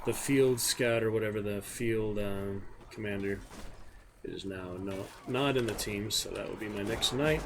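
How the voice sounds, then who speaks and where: A man giving casual, low-key gameplay commentary, musing to himself over game sounds. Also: measured pace. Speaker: gamer commentating own gameplay. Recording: clear game noise behind voice. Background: video game sounds.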